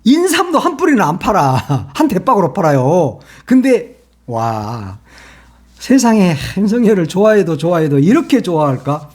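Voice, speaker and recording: Sarcastic man with lively pitch. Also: moderate pace. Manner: mocking, sarcastic, laughs at his own jokes. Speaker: political commentary channel host. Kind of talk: casual solo political commentary.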